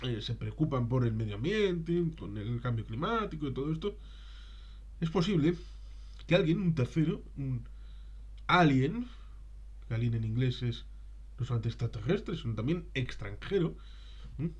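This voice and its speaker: Man musing haltingly through film commentary. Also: medium pitch, animated, a little mellow, breathy edge. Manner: discursive, halting, searching for words. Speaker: film reviewer and presenter.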